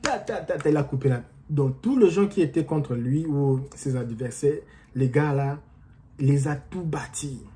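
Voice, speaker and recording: Here a coach and vlogger living in the States chats animatedly with viewers he calls friends, mixing a story with motivational tips in a casual to-camera talk. His voice is fairly high yet dark in tone, and he takes his time.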